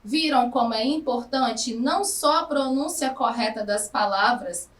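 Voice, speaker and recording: A woman teacher with a Brazilian Portuguese accent giving a recorded lesson to adult students, speaking slowly and drawing out her words. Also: a little high, far from the mic. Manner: slow, careful, drawn-out words. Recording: echoey room, somewhat off-mic.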